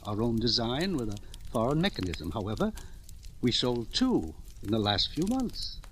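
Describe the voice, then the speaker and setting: An actor playing a fussy, evasive, genteel jeweler in an old radio drama, speaking formally and hesitantly with a creaky voice. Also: male voice, mid-range voice, very animated, moderate pace, a bit bright. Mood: evasive, courteous. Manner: formal, hesitant, precise phrasing. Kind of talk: old-time radio character acting. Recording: noisy vintage radio recording.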